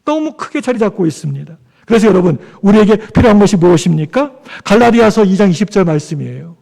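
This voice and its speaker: A man's voice: sits high, big pitch swings, quick pace, creaky, darkish tone. A male pastor preaching a sermon in a conversational way, asking the congregation for amens. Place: church sanctuary. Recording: long church hall reverb.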